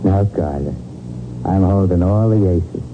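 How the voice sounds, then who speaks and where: Slangy American gangster on old radio. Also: male voice, deep voice, measured pace, narrow, tinny audio, noisy background. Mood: menacing, cocky. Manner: slangy tough-guy talk. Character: cornered, defiant tough male gangster and killer. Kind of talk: 1940s radio crime drama acting. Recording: band-limited old 1940s radio recording, music behind.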